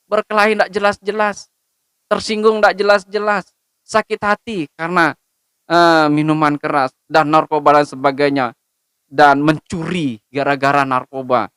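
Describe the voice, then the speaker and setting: A woman's voice: on the low side, a bit bright, smooth, no room sound. A young woman preaching a sermon to a youth service, speaking in a direct, admonishing way and drawing on her own experience. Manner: direct, admonishing, personal testimony.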